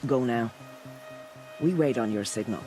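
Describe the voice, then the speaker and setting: A woman's voice: extremely low pitch, unhurried, over music. A woman playing a stern tribal war chief in a video game, speaking in a commanding, solemn, declamatory manner. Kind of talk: video game dramatic dialogue.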